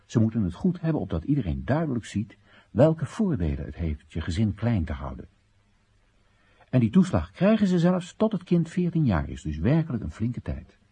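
Earnest young man, very husky. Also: fairly low pitch, huge pitch swings, moderate pace, dark tone, exaggerated voice. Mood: earnest, explanatory. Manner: earnest, explanatory, emphatic. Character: earnest young Chinese man, dutiful and wistful. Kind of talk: radio play monologue.

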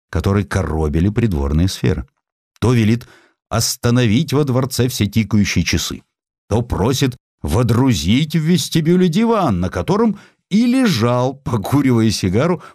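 In clean studio audio without any room sound, a low-voiced man with a touch of mellowness performs expressive, scripted literary narration. He reads like an audiobook narrator, telling the story theatrically.

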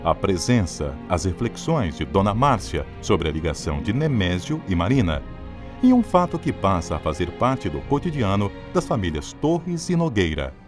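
A man with a fairly low voice delivers scripted radio soap announcements. His intonation is dramatic and animated, over prominent music. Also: moderate pace. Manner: dramatic, declamatory. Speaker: announcer giving recap and title.

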